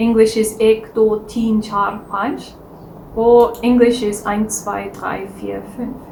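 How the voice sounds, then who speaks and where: Speech comes at a very slow pace, with audible room echo and noticeable background noise. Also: woman. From Wales. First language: Welsh. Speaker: English teacher. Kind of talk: lecture. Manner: clear, paced for learners.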